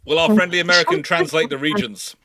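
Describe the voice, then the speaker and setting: A man's voice: fairly high pitch, quick pace, pushed and bright. A man hosting a casual live stream, chatting with co-hosts and varying between emphatic delivery and mumbled asides. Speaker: live stream host of a naval history channel.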